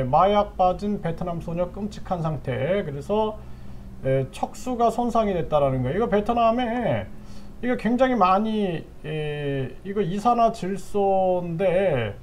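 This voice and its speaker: Slow patient older male language teacher. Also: slight background noise. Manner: slow, patient, repeats phrases and drops low on asides. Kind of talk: lecture with repeated drills.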